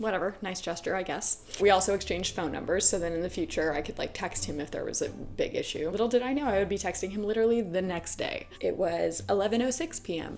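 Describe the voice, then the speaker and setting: A quiet woman's voice at medium pitch, very fast, with ordinary pitch variation. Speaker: YouTuber. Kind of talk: storytime vlog. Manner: animated.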